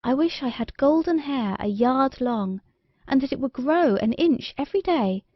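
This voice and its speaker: A woman's voice: high voice, expressive, normal speed, no room sound, dull audio, voice pushed up. A woman voicing a sweet, obliging young fairy-tale princess who speaks earnestly and eagerly. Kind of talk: storybook character dialogue.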